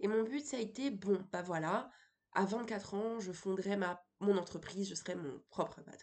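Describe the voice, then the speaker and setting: A woman talks at a moderate pace with medium pitch and ordinary pitch variation. Her loudness swings widely. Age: 20s. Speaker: personal development coach. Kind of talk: podcast monologue. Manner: animated.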